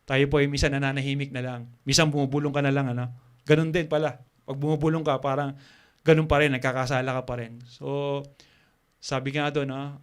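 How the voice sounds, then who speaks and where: A man preaching a sermon, halting with fillers and restarts, asking the congregation questions. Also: mid-range voice, clear, resonant tone.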